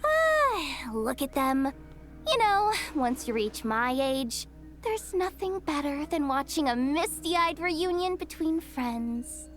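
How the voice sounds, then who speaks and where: A woman's voice: high-pitched, big pitch swings, takes it slowly, pauses often, a bit bright, faint music behind, heavily acted. A woman voicing a teasing, easily flustered young girl in a video game.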